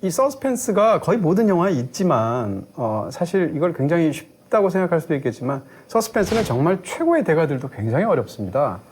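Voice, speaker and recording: A man's voice: on the high side, very animated, brisk, few pauses, darkish tone, a little hiss or hum. A middle-aged man, a film critic co-hosting a review show, explaining his points in long, fluent, lecturing arguments. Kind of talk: analytical film review discussion.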